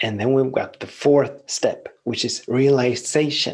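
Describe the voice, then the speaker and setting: Speaking at a very slow pace, a man uses a fairly high pitch and a somewhat breathy voice. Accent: Swedish. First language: Swedish. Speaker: spiritual podcast host. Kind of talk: spiritual teaching monologue. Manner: halting, with frequent self-corrections.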